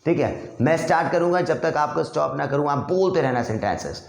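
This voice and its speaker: Brisk encouraging male English teacher. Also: a little high, lively intonation, creaky, reverberant. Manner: brisk, encouraging, addresses students as brother. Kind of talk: spoken English class.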